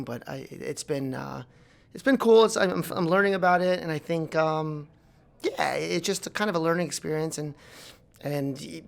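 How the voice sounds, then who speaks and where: Gravelly, animated man in his forties. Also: fairly high pitch. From South Florida, United States. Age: 40s. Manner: animated, rambling with restarts and fillers. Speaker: guest, plastic surgeon. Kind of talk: casual interview talk. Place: podcast studio.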